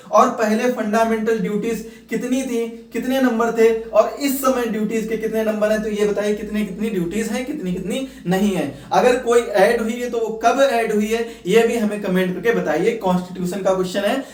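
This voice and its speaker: A man teaching an exam class, repeating and explaining points and posing questions that he then answers. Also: high voice. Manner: repetitive, explanatory, poses questions and answers them. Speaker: online exam coaching teacher. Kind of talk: instructional lecture to students. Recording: echoey room, distant microphone.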